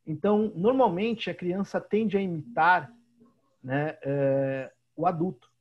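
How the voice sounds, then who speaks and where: Over dull, lo-fi video call audio, a man with a Brazilian Portuguese accent teaches an online class in a high, slow voice. He's chatty and constantly checks in with his students, repeatedly asking "né?".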